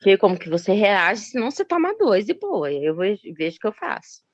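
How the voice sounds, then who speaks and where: A woman guest chatting casually about her experience, animated and talkative. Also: mid-range voice, fairly quick, highs cut off. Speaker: guest giving testimonial. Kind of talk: casual chat.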